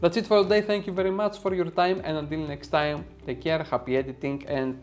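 With soft music playing underneath, a Greek-accented man in his thirties runs an enthusiastic step-by-step photo editing tutorial from his small home studio in Greece. He speaks fairly quickly in a level tone, his pitch fairly high.

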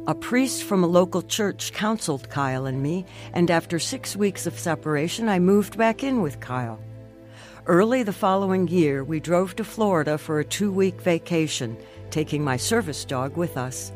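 An actress playing an earnest, emotional middle-aged Christian wife in a radio drama. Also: female voice, on the low side, animated, moderate pace, a little mellow, faint music behind, lightly acted. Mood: earnest, reflective. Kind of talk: radio drama narration and dialogue.

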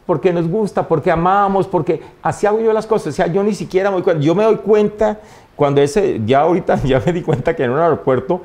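Gravelly coastal priest. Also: male voice, sits high, brisk. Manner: warm storyteller, laughs often. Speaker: priest, guest. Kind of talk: interview anecdotes. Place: TV studio.

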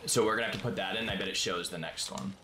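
A young man thinking out loud through a game puzzle with a friend, relaxed and easygoing. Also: sits low, very fast, echoey room, noisy background. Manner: laid-back, figuring out puzzles aloud. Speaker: gamer. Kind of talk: casual co-op gameplay chat.

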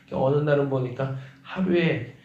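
A man's voice: medium pitch, a little fast, highs cut off. A man preaching at a dawn prayer meeting as pastor. He tells a story in a conversational way and acts out the voices of the people in it. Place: church sanctuary. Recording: roomy church echo.

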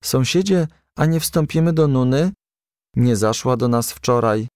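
A man's voice: medium pitch, a little slow, darkish tone, clear, resonant tone, no echo, clean studio sound, pitched above the performer's own voice, lightly acted. A man as an eager little boy firefly. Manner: eager, questioning. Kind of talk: children's storybook character reading.

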